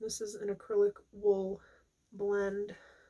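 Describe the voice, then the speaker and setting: Speaking with an American accent, a woman has a medium-pitched, somewhat breathy voice with a dark, mellow tone. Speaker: full-time reseller. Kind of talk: casual talk to camera.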